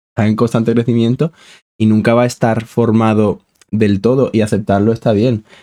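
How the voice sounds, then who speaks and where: A man talks at a fairly quick pace with fairly even intonation. His tone is dark and mellow. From Spain. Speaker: bassoonist, music master's student. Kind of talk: casual chat.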